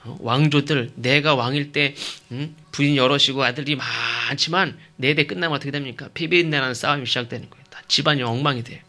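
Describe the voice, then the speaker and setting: A man's voice: medium pitch, fairly quick, few pauses, bright, forceful tone. A man preaching a sermon as pastor, stressing points with rhetorical questions and checking in with the listeners. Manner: emphatic, asks rhetorical questions; checks in with the congregation.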